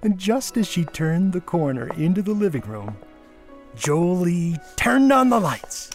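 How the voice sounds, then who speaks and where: A man reading a nostalgic memoir aloud as a storyteller, in a dramatic, measured way with deliberate pauses and emphasis. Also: high voice, big pitch swings, faint music behind.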